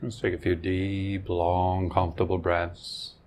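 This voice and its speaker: A man with a low voice guides a meditation in short, gentle phrases. He leaves long, unhurried pauses between instructions. There is clear ambient noise behind him. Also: level tone. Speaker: meditation teacher.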